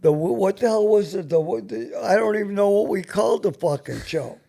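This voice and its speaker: An older man hosting a casual, unscripted talk show, blunt and quick to cut in. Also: sits high, expressive, creaky, dark tone. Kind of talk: casual unscripted radio banter.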